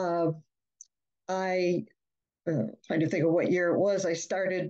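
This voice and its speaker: A woman with an unremarkable speaking voice at a moderate pace, against a quiet background. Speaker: guest. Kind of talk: lecture. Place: home room. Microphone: video call.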